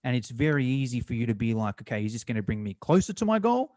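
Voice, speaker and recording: An enthusiastic Australian man hosting a podcast interview, chatty with quick restarts. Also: mid-range voice, very animated, warm tone, dry recording, studio quality. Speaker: podcast host. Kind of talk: casual interview chat.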